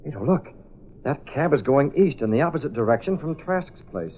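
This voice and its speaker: An actor playing a calm, authoritative male hero in a 1930s radio drama, speaking in a measured way, on a scratchy, narrow old recording. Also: a little high, lightly acted.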